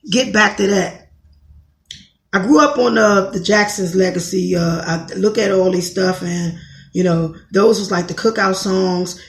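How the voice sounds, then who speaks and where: A woman in her thirties from Washington, D.C., with a raspy voice, talking bluntly in a rambling podcast monologue and often correcting herself. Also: on the low side, roomy sound. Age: 30s. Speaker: podcast host. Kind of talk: casual monologue commentary.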